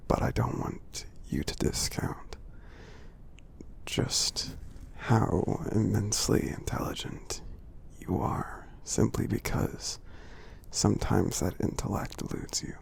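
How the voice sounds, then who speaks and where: Man voicing a gentle giant, breathy gravelly half-whisper. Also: exaggerated voice. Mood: soothing, supportive. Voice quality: husky, breathy, gravelly low voice. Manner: slow, gentle, reassuring, pausing often. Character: gentle friendly male giant, supportive and kind. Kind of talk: ASMR roleplay, soft half-whispered affirmations.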